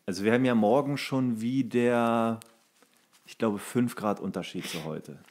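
A male podcast co-host speaks in a mid-range pitch. He keeps things casual and colloquial, with a dry way of chipping in. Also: a little slow, darkish tone. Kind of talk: casual chat.

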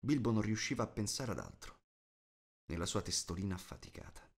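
A man's voice: fairly low pitch, animated, fairly quick. A man narrating a fantasy storybook as a scripted audiobook reading.

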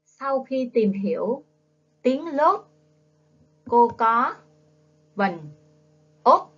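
In a sing-song, slightly high voice with a fairly bright tone, a Southern Vietnamese-accented primary school teacher leads a phonics lesson very slowly. She coaxes the young children learning to read to repeat after her. The sound is dull lo-fi audio from a classroom video.

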